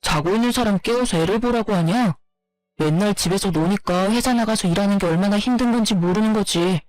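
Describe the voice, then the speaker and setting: A man's voice: high voice, fairly quick, darkish tone, no echo, soft background music, lightly acted. A man voicing an irritable young husband obsessed with gaming, whiny and defensive as he snaps back. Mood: exasperated. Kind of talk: narrated story dialogue.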